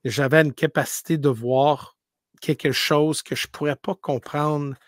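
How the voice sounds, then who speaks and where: A man who grew up speaking English, talking in as a paranormal streamer in a casual interview, telling animated stories full of restarts and English words. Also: fairly high pitch, a little slow, dry recording, studio quality. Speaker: paranormal live streamer, guest.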